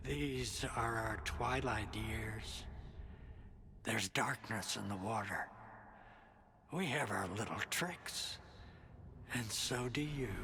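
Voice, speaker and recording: In a put-on character voice, a man speaks very slowly at a medium pitch, with very wide pitch swings. Long, frequent pauses break up his speech, and the background is clear of noise. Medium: video game. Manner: cryptic, rambling.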